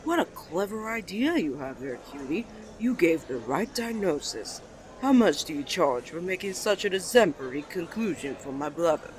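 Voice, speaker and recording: Man voicing flirtatious twin brother, smooth, self-assured, teasing, courtly endearments, romantic audio roleplay, light background noise. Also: fairly high pitch, low-quality recording. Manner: suave, drawn-out, playfully formal endearments. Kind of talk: romantic ASMR roleplay acting.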